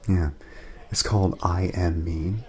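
A man speaking softly in a casual ASMR roleplay, laid-back and friendly, chatting as if to a friend. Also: low voice, steady tone, slow. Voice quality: soft, breathy at times, creaky.

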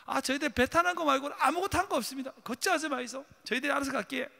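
A man's voice: very high voice, rapid-fire, vocal fry, sharp tone, in a large hall, voice pushed up, exaggerated voice. A man voicing cocky fisherman disciples in a Busan dialect, speaking with a swagger. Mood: boastful. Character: boastful fisherman disciples, young men.

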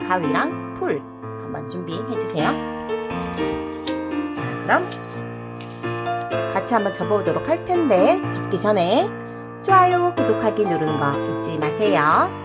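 A woman's voice: lowish voice, sing-song, a little slow, long pauses, loud music behind the voice. A woman giving step-by-step craft instructions to children, repeating steps simply and dropping in playful little sound words. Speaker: host of a children's origami tutorial.

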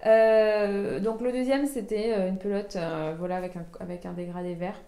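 A woman's voice: medium pitch, steady tone, moderate pace, mellow. Chatty woman in an echoey room. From France. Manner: chatty, many fillers and restarts. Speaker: knitting podcast host. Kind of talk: casual show-and-tell chat.

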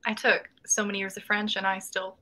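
Brief: woman, mid-twenties, livestream host, bright chatty voice, webcam sound from a small room. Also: medium pitch, little pitch movement, fairly quick, low-quality recording. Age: 20s. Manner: chatty, reads chat comments aloud, laughs often. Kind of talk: casual livestream chat. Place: small room at home, indoors. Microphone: webcam video call.

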